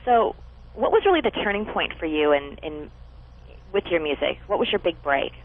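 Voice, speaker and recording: A woman's voice: deep voice, big pitch swings, normal speed, a little hiss or hum. Upbeat woman interviewer on tinny audio. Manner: upbeat, chatty, encouraging. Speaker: interview host. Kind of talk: friendly interview questions.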